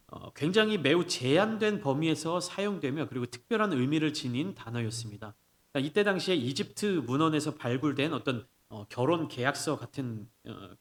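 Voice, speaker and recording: A man preaching a sermon as pastor, explaining the passage with rhetorical questions he answers himself. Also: medium pitch. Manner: acts out scolding quotes in lively bursts.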